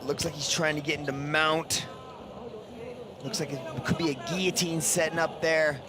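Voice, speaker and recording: A man's voice: fairly high pitch, flat delivery, normal speed. A man giving technical, explanatory live commentary on a mixed martial arts fight as the analyst. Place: ringside at a fight arena. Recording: loud arena crowd behind voice. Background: loud crowd.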